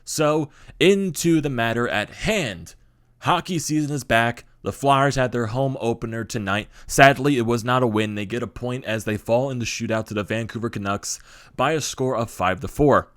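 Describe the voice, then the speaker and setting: Young man with a smooth, slightly strained voice. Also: medium pitch, moderate pace, no echo, clean studio sound. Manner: energetic, rambling, digressive. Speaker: sports channel host. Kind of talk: solo hockey recap talk.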